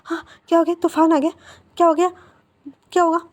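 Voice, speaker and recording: A woman voicing a lazy, playful young man who grumbles about sleep and talks excitedly in a storybook retelling. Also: sits high, a little fast, no room sound. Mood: startled.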